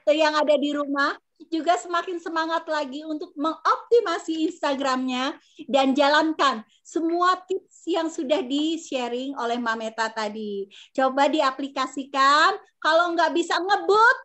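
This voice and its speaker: A woman's voice: high-pitched, measured pace, fairly bright tone. A woman with an Indonesian accent hosting an online class on a video call in a chatty, encouraging, informal way.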